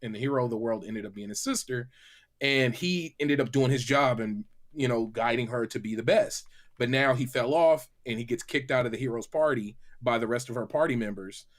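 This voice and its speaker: A man on a gaming livestream panel giving recommendations in casual, slangy talk, halting and doubling back on himself. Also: medium pitch.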